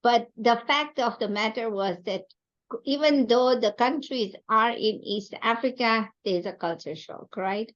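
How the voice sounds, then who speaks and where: A woman's voice: on the high side, a little slow. Slightly muffled woman from Kenya, reflective storyteller. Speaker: podcast guest, entrepreneur and coach. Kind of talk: conversational interview storytelling.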